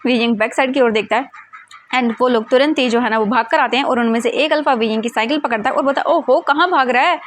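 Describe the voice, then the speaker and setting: A woman's voice: a little high, fast talker, a little hiss or hum. A woman casually retelling a fan fiction story in a chatty way. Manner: chatty, retells scenes with many quotes.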